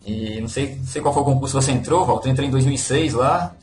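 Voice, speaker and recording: A man with a Ceará accent, telling his own story as a podcast guest, easygoing and modest. His voice rings in an echoey room, with soft music faint underneath. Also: mid-range voice, racing. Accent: Northeastern Brazilian (Ceará). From Fortaleza, Brazil. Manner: relaxed, modest, with frequent "né?" tags. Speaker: interview guest. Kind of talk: casual conversational storytelling.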